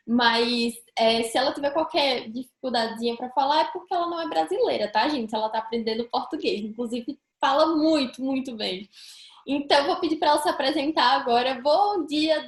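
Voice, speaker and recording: Young brazilian girl hosting, high bright voice, chatty, echoey room. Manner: upbeat, chatty. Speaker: YouTube host, interviewer. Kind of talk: casual interview.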